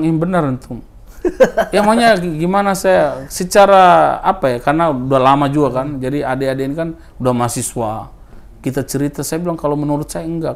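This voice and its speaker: Animated man telling his faith story. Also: a little high, vocal fry. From Timor Leste. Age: 30s. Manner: animated storyteller, voice rising with emphasis. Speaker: interviewee. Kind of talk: personal testimony in casual interview.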